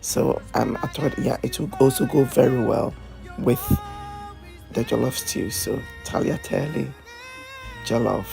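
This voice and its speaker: A woman hosting a cooking video, chatty and hoarse from a flu, often checking in with "okay?". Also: rumbling low, unhurried, over music, rough recording. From Ghana. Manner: chatty, repeats phrases, asks "okay?" often. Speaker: cooking channel host. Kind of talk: casual cooking tutorial.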